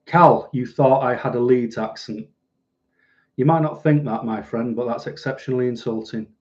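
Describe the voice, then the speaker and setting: A man with a softened Mancunian accent chatting casually on a livestream to his viewers, rambling along in a dry, sardonic way. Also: mid-range voice, moderate pace, highs cut off. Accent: Mancunian, softened northern English. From northern England, Manchester. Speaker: livestream host. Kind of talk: casual livestream chat, reading out and answering viewers' comments.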